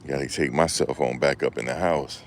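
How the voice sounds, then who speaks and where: A rumbling low male voice at normal speed, with slight background noise, belongs to a livestream host chatting casually with his viewers. He jokes, rambles, and answers chat along the way.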